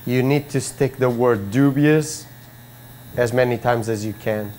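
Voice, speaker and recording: A man's voice: mid-range voice, unhurried, darkish tone, a little hiss or hum. A man from Portugal chatting casually while getting a haircut in a barbershop. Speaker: barbershop client. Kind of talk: casual chat. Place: barbershop, indoors.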